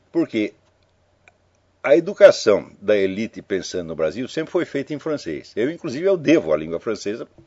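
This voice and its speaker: A man talking at a moderate pace. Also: long, frequent pauses. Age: 60s. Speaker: lecturer. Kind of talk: lecture. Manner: conversational.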